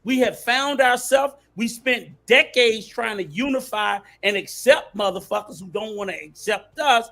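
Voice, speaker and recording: Man, high-pitched, bright tone, insistent, panel debate. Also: moderate pace, gravelly, hardly any pauses. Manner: insistent, keeps cutting in to finish his point. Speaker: podcast panelist.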